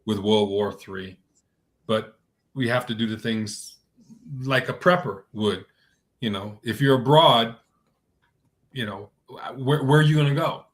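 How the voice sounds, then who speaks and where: A man with a Russian accent hosting a casual chat, speaking thoughtfully with many restarts. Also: mid-range voice. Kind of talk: casual video-call chat.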